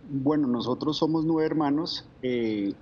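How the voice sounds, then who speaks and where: A man's voice: a little high, measured pace, breathy edge, highs cut off. A man from Bogotá with a Colombian accent, a guest telling his faith story in an interview, reflective and full of fillers. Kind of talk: testimony interview.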